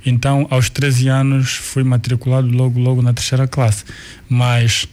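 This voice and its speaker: Angolan man telling his life story slowly. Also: mid-range voice, completely flat delivery, a little mellow. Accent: Angolan Portuguese. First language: Kikongo. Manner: unhurried, restarts and repeats words while recalling. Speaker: guest, artist and cultural manager.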